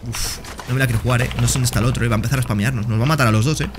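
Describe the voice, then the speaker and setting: A young man giving excited, jokey commentary over his own gameplay, talking straight to his viewers. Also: mid-range voice, very fast, heavy background noise. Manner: excitable, talks to viewers as "señores" and "tío", jokey. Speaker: gaming streamer.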